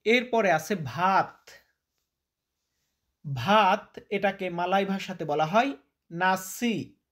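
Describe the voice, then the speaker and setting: A man's voice: high voice, animated, extremely slow, a bit bright. A man teaching vocabulary, repeating each word and quizzing the listener. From Bangladesh. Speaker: language teacher. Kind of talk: vocabulary lesson.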